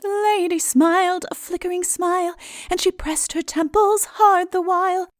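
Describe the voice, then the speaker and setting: A woman playing a sweet-voiced singer of sad old ballads, singing slowly with a mournful lilt in an audiobook. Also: very high-pitched, steady tone, no room sound, studio quality. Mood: haunting. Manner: mournful, drawn-out lilting delivery. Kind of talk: slow sung ballad.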